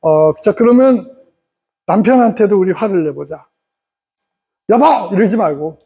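A middle-aged man lecturing parents in an animated way and having the audience repeat phrases after him. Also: sits high, moderate pace, breathy edge.

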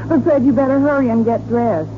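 An actress playing a middle-aged American suburban wife, mildly chiding and sympathetic, in a 1940s radio comedy. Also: female voice, fairly high pitch, fairly quick, lightly acted. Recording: tinny, noisy 1940s radio recording.

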